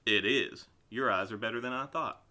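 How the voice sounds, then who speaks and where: A man playing a grumpy, mocking resident in an audio drama, gruff and sardonic. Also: medium pitch, normal speed, sharp tone. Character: grumpy, mocking male resident, unhelpful and dry.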